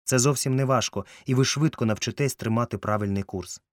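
A man reading aloud and voicing a calm, resolute young man who acts as ship captain, speaking with steady, earnest command in an audiobook. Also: medium pitch, fairly quick, no room sound, clean studio sound, natural voice.

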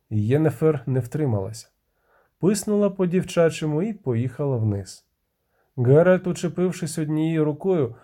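A man's voice: a little high, warm tone. A man narrating a fantasy audiobook with tense, vivid delivery.

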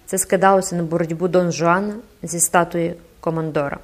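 Expressive woman narrating a classic novel. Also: on the low side, a little fast. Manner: expressive, dramatic reading. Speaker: audiobook narrator. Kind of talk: scripted narration.

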